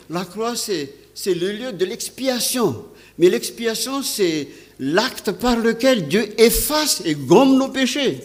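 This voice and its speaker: A pastor from Madagascar preaching a sermon, stressing key words with sharp rises and often hesitating and repeating himself. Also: male voice, high voice.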